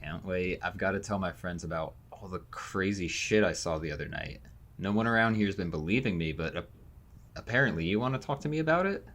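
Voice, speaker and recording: A man playing a chatty, slightly unsure college freshman in a fiction podcast, casual and halting. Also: sits low, lively intonation, a bit bright. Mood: eager, unsure. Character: nineteen-year-old male college freshman, chatty, excitable, unsure.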